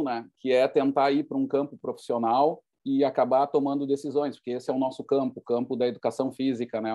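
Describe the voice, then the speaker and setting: A man, a university professor, giving a lively lecture with chatty, joking asides. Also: medium pitch.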